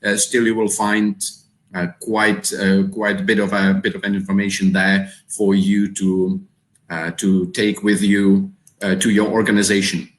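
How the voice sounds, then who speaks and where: Czech guy running a webinar, low-ish voice, lots of uhs and restarts, sounds echoey. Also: flat delivery, unhurried. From Czech Republic. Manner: hesitant, many fillers and repeated words. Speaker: webinar host. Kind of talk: live webinar presentation. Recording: roomy echo.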